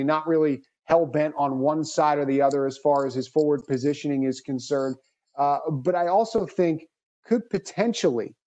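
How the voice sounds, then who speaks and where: Male podcast host, measured analytical read, higher pitch, warm mellow timbre. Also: muffled recording. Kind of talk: scripted sports podcast narration.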